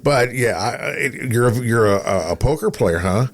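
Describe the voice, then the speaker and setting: A middle-aged man from Minnesota co-hosting a casual interview, talking in a rambling, halting way and often repeating himself. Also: mid-range voice, expressive. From Minnesota, United States. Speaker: podcast co-host, radio veteran.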